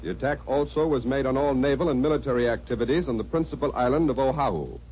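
A man's voice: medium pitch, fast, darkish tone, slight background noise. An American man announcing a scripted news bulletin in 1940s radio style. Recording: muffled old radio broadcast, humming.

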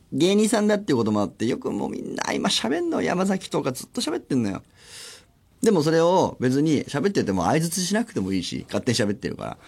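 A man hosting a solo radio show, chatting casually and acting out other people's lines in quick little voices. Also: fairly high pitch. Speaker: radio host.

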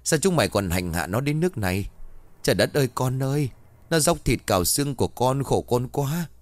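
A man voicing a furious, wailing old grandmother in a ghost story, cursing and shrill. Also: sing-song, brisk, no room sound, lightly acted.

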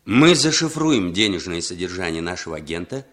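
A man's voice: low-pitched, very animated, fairly quick, a bit bright. A cool, cynical male agent in a vintage radio drama. His lines are laconic and wry, delivered with detachment. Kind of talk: 1960s Soviet radio play acting.

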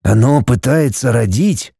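A confused but determined young man speaks in a plain, restrained voice, as the narrator voices him. The tone is mellow and dark, and the sound is close and dry. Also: mid-range voice, expressive, measured pace, creaky, husky, no echo, full character voice.

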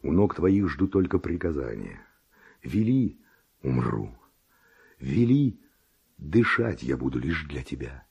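An actor playing a passionate, pleading seducer in a radio verse drama, with slow declamatory delivery. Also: male voice, rumbling low, sing-song, vocal fry, a little mellow, slightly rough, muffled recording, exaggerated voice. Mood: seductive, pleading. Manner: slow, declamatory, rhetorical courting. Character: Don Juan, passionate male seducer, ardent and pleading. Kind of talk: classic Russian radio drama acting of verse.

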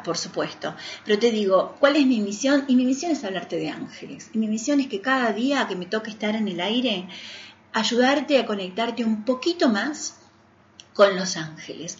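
A woman's voice: mid-range voice, a little hiss or hum. A woman with an Argentine accent hosting a spiritual radio talk show, speaking earnestly and persuasively to the listener. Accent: Argentine Spanish. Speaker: radio host and author. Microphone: studio radio mic. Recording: roomy, dull AM radio broadcast.

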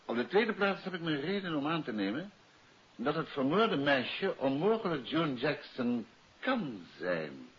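An actor playing an assured gentleman detective and teasing husband, emphatic and measured, in a 1950s Dutch radio drama. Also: fairly high pitch, sing-song. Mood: firm, explaining. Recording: muffled, noisy 1950s radio recording.

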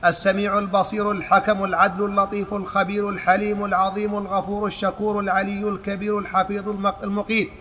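A man reading a religious text aloud in a lesson, with a steady recitation and occasional restarts. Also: high-pitched, quick pace, hardly any pauses. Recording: long hall reverb with faint noise.

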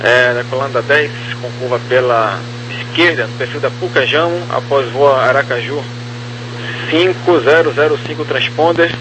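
A man working as an air traffic controller, reading procedural clearances over a crackly aviation radio. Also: mid-range voice, moderate pace.

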